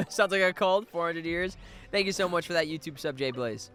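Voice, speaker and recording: Animated man doing playful game commentary. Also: a little high, normal speed, soft background music. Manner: playful, animated, jokey asides. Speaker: game streamer, voice actor. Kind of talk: casual playthrough commentary.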